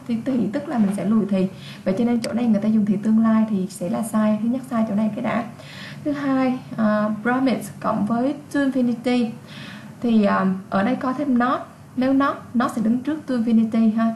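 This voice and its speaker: A woman's voice: fairly high pitch, a little mellow, echoey room, a little hiss or hum. Vietnamese woman teaching an English lesson. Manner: explains patiently, repeats words with sound notes. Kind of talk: exam walkthrough lesson.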